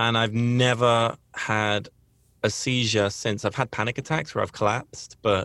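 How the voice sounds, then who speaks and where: Speaking with a British accent, a man uses a medium pitch, a bright, sharp tone, fairly even intonation and a fairly slow pace. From UK. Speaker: actor and podcast guest. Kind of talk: casual chat. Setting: video call.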